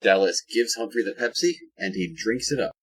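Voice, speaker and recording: A man's voice: lowish voice, a little fast, breathy edge. A man narrating a scripted audio drama as its storyteller.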